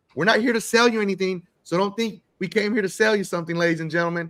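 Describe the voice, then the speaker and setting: Speaking at a very fast pace, a man with a high pitch sounds animated. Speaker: credit advice livestream host. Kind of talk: casual livestream chat.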